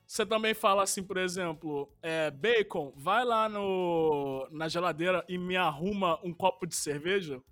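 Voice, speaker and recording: A man chatting as a podcast co-host, telling relaxed stories and laughing often. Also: sits high, measured pace, hardly any pauses, dry recording, faint music behind. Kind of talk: casual chat.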